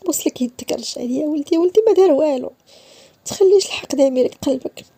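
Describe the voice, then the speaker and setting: A woman's voice: high voice, quick pace, dark tone, no echo, pitched above the performer's own voice. A woman voicing a desperate older mother who begs tearfully for her son, with a Moroccan accent. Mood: pleading. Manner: begging, tearful pleading.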